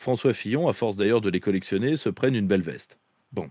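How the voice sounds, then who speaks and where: A man's fairly low, dark and mellow voice against a quiet background. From France, Auvergne. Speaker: political commentator. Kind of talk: political commentary monologue. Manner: casual, halting with many fillers.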